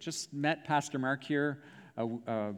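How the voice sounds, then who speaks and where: In a very clean recording with a silent background, a man with an unremarkable speaking voice talks fairly slowly, his pitch fairly high and its variation ordinary. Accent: Canadian. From Canada. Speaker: theology professor, guest preacher. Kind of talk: sermon. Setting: church.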